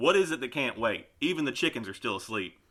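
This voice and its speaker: A man playing a grumpy, mocking resident in an audio drama, gruff and sardonic. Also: medium pitch, big pitch swings, fast, pushed and bright. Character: grumpy, mocking male resident, unhelpful and dry.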